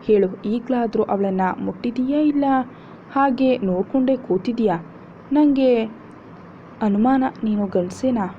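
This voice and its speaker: A woman's voice: on the high side, measured pace, long pauses. A woman voicing a jealous, crude young man who mocks and provokes his rival, on a dull lo-fi recording with faint hiss. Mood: taunting. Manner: mocking, sneering, provocative.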